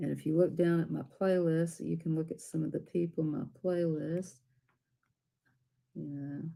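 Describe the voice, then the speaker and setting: Long, frequent pauses break up the speech of a speaker with a Southern US accent. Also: moderate pace. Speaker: live streamer. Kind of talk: casual live stream chat. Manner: relaxed, folksy.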